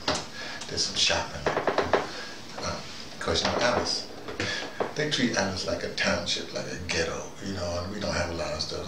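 An older American man giving a rambling, conversational monologue in a wry, musing, self-questioning manner. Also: sits low. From United States. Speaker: host. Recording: echoey room, noisy, distant mic.

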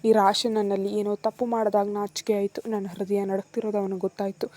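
A woman narrating a romantic story in the first person, in a soft, emotional way. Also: medium pitch, little pitch movement, a little fast.

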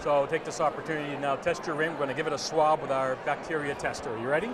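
A man's voice: fairly even intonation, racing. A middle-aged man giving a casual, upbeat product demonstration as a jeweler on a lapel mic. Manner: upbeat, explanatory, pitching. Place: busy indoor trade show hall. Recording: loud crowd chatter and noise.

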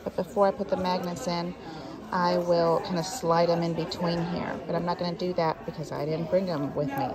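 A friendly, chatty woman with a slightly low voice shows off her scrapbook work piece by piece. She talks into a handheld phone in a big convention hall full of crafters. There is steady crowd chatter all around her. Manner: chatty, friendly, walking through each detail. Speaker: paper craft channel host. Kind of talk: casual craft show-and-tell vlog.

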